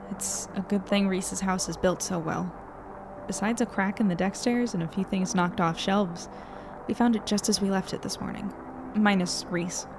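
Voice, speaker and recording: A woman's voice: medium pitch, noisy background, close to an everyday voice. A woman playing a practical, reflective young narrator in an audio drama, speaking casually. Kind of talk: first-person audio drama narration and dialogue.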